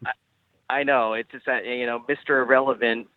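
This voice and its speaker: A man's voice: medium pitch, fairly even intonation, brisk, no room sound. A man from California calling in over the phone to a talk show, chatty and easygoing, speaking from a beach lounge chair outdoors. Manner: easygoing, chatty, laughs often. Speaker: caller. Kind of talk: casual call-in chat. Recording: dull phone line with faint noise.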